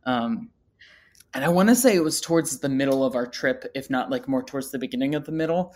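Podcast co-host, casual chat, rambling, self-deprecating, mid pitch. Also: lively intonation, fast talker, darkish tone.

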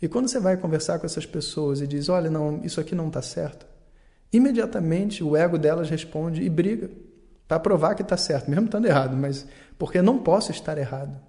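A man giving a calm, explanatory talk on learning and mistakes, acting out short dialogues as he goes. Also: a little high, brisk.

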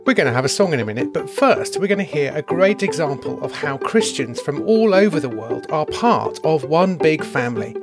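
A man hosting a children's church program, giving friendly, upbeat instructions between segments. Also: a little high. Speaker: host. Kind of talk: presenting a kids' church program. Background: music.

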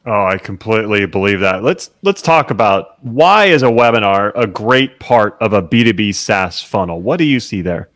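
A man's voice: fairly low pitch, lively intonation, moderate pace, few pauses, a bit bright, no echo, studio quality. A man hosting a podcast interview, upbeat and enthusiastic as he asks his guest questions. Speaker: podcast host.

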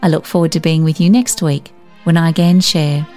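A woman reading a literary story aloud as narrator, in an expressive scripted style. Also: low-pitched, fairly quick, faint music behind. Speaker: story narrator and podcast host.

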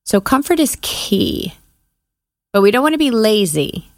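A woman leading a guided breathing meditation as a podcast host and coach, giving measured, soothing instructions with pauses. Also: a little high, sing-song, no echo.

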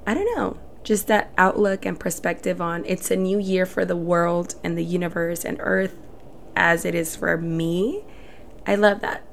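A woman's voice: on the low side, gravelly, slight background noise. A woman in her twenties, born in El Salvador and raised in Houston, talks earnestly and reflectively in short phrases as the host of her own solo podcast. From El Salvador, raised in Houston, Texas. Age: 20s.

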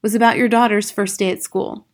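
A woman's voice: medium pitch, fairly even intonation, fairly quick, voice pushed up, close to an everyday voice. A woman voicing a slim, polite but resolute schoolteacher in an audiobook, earnest and firm. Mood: composed, insistent. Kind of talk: acted audiobook dialogue.

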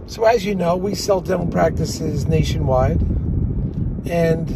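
New man pitching over loud outdoor noise. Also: measured pace, vocal fry. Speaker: dental practice broker hosting his own video. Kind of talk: promotional vlog talk. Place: outdoors near the beach.

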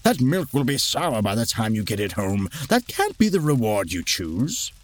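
Storybook king acted by a man: blustering, incredulous, generous, wildly varied pitch. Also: very animated, moderate pace.

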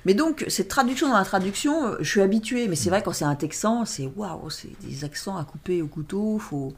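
A French woman talking casually as an interview guest, lively and emphatic, animating her stories. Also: medium pitch, fairly quick. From France. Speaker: guest, stage performer.

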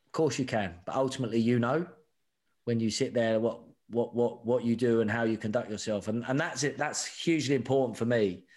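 A man's voice: medium pitch, brisk, darkish tone. A middle-aged man, a rugby coach, telling stories candidly and animatedly, often repeating words and saying "mate". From England. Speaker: rugby sevens coach, guest. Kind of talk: candid conversational storytelling.

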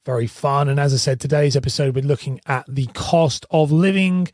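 Hoarse man rambling on a podcast. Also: medium pitch, normal speed, a little mellow, no room sound, studio quality. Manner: chatty, rambling, self-correcting. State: hoarse, strained voice. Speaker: podcast host. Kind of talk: casual solo podcast talk.

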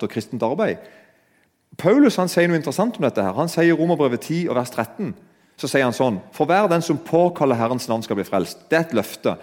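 Male preacher, conversational sermon, lively pitch, long hall reverb. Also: breathy edge. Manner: conversational, addresses listeners directly.

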